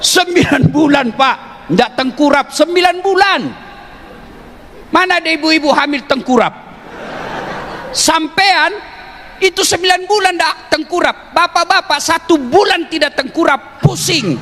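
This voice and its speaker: A man preaching a humorous sermon to an audience, joking and teasing, with bursts of shouting. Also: very high-pitched. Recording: reverberant hall with faint noise.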